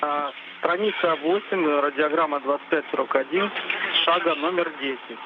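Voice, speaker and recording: A man's voice: fairly high pitch, normal speed. Man on a crackly space radio link. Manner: clipped, businesslike, reads out checklist steps. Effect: crackly space-to-ground radio transmission. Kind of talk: terse radio procedure talk. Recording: tinny noisy radio link from far off.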